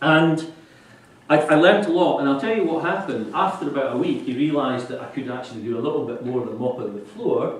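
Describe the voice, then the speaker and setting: Someone speaks very fast in a Scottish accent. There is audible echo in the room. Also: man, fairly high pitch for a man, lively intonation. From Scotland, Kinross-shire. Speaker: businessman. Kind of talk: lecture. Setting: lecture theatre with audience. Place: hall. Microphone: camera far.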